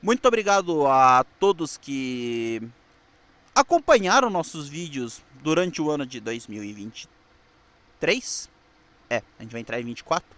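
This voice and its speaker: A Brazilian man presenting his video channel in an old newsreel announcer style, enunciating deliberately. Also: on the high side, very animated, a bit bright. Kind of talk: nostalgic radio-newsreel style video narration with scripted sign-off.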